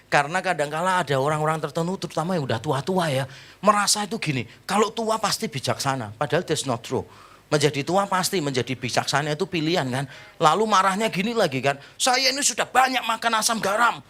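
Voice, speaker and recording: A middle-aged man preaching a sermon as pastor, lively and joking, shifting between loud exclaims and slow, quiet emphasis. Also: fairly high pitch.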